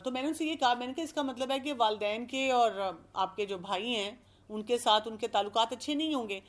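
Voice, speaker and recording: Woman, expert guest, advice talk, calm explanatory manner, a bit high-pitched. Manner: calm, explanatory, gives examples.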